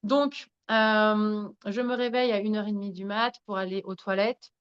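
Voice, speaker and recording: A woman at a middle pitch tells her story as a podcast guest, in a frank and earthy way. She swears casually, laughs at herself and keeps turning to the listeners. The recording sounds a little dull and lo-fi. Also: normal speed, smooth. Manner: animated, addresses listeners directly. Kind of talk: candid storytelling in conversation.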